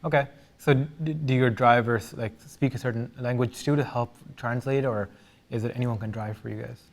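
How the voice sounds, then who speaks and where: A man's voice: medium pitch, steady tone, normal speed. A man hosting a casual interview, asking rambling questions that he often corrects midway. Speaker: podcast host, interviewer.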